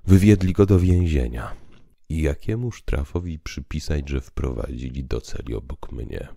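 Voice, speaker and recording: Very deep, solemn priest played by a man. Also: animated, creaky, mellow, no echo, clean studio sound, full character voice. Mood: grave, mysterious. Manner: solemn, deliberate, oratorical. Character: calm, grave priest telling visionary tales. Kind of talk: dramatized literary audiobook reading.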